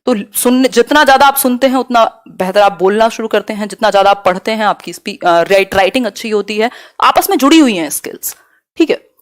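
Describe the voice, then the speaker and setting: A woman's voice: medium pitch, animated, brisk. A young woman teaching an exam-prep lecture, explaining terms patiently and often checking that listeners follow. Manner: spells out and repeats key terms.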